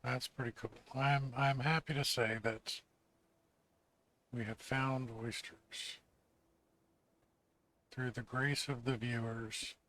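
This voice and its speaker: A man with a slightly hoarse voice, chatting casually while playing a survival video game. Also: mid-range voice, little pitch movement, takes it slowly, pauses often, pushed and bright, poor audio. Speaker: gaming channel host. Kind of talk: casual let's-play commentary.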